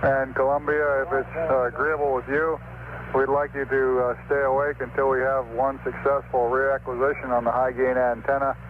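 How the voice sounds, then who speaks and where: A man's voice: mid-range voice, flat delivery, normal speed. An American man working as a mission control radio communicator, speaking in clipped, matter-of-fact military procedure over a crackly two-way radio. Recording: noisy, narrow-band archival space radio link.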